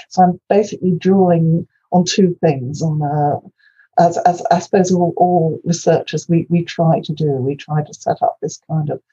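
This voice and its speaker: A woman's voice: sits low, dark tone, slightly rough, highs cut off. An older woman from Wales, a native Welsh speaker, giving an academic lecture with many hesitations and restarts.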